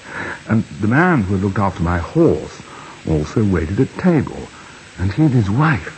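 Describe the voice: What you hear is plain reading aloud.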